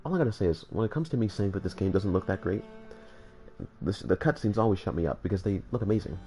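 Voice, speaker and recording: A man's voice: on the low side, animated, fast talker, mellow, soft background music. A man with a slightly congested voice, joking and rambling to his viewers as he plays through a game. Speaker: gaming channel host. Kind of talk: casual let's-play commentary.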